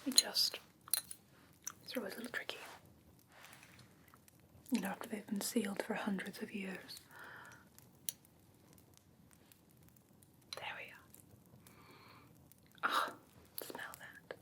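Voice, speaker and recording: A woman playing a whimsical, coaxing fae creature in a breathy ASMR whisper, sweetly condescending and soothing in a halting, doting way. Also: mid-range voice, fairly even intonation, natural voice. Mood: enticing, coaxing. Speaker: ASMR roleplay performer. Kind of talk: whispered ASMR fantasy roleplay.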